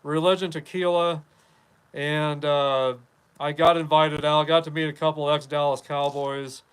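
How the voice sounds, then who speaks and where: This Wyoming host, in his fifties, takes an unhurried pace on his live-stream podcast, chatting and rambling over viewer comments. His pitch is fairly high and barely moves, and the tone is clean and a bit bright.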